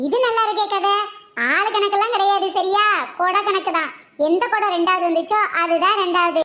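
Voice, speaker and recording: In a cartoonish character voice, a woman speaks at a moderate pace with extremely high pitch and very even loudness. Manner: bossy, scolding, sharp-tongued.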